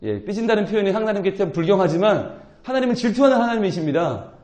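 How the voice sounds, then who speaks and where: A male pastor preaching at an early-morning church service, talking in a lively, colloquial way and playfully acting out scripture dialogue. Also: high voice, fast. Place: church sanctuary. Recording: roomy church echo.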